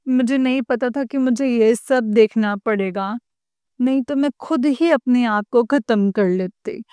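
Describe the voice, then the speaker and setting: A woman's voice: fairly high pitch, a little mellow, clear, resonant tone, no echo, clean studio sound. A woman on the verge of tears, pleading with her guru again and again in an emotional devotional talk to her followers. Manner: pleading, repetitive, addresses her guru directly. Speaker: devotional channel host addressing followers.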